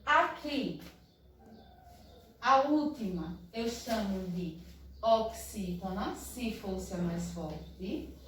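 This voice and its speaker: A woman's voice: mid-range voice, lively intonation, very slow, long pauses, a little hiss or hum. A woman teacher giving a review lesson to young schoolchildren, speaking patiently and breaking words into syllables one by one. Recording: very echoey room, voice from a distance.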